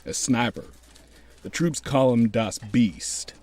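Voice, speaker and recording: A man plays a fatherly older US Army officer in a wartime radio play. His voice sits at an ordinary medium pitch. He is genial and folksy, yet carries probing, commanding authority. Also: takes it slowly, darkish tone. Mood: grave. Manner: folksy, commanding, addresses juniors paternally. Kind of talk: audio drama acting.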